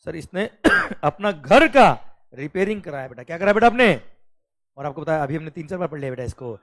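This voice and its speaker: Teaching an exam-prep class, an Indian man blends Hindi with English in a fairly high, sing-song, slightly bright voice. He addresses students as "beta," checks again and again that they are clear, and slowly reads out the questions in English.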